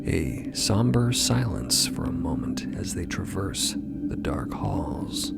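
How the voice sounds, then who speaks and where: A man narrates a scripted audio drama slowly, in a fairly low register. Loud music fills the space behind his voice. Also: sing-song, vocal fry, whispered.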